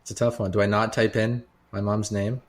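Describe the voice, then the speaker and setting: A man with a fairly low voice speaks as a podcast co-host. He tells anecdotes casually, in loose, slangy language. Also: flat delivery, fairly quick.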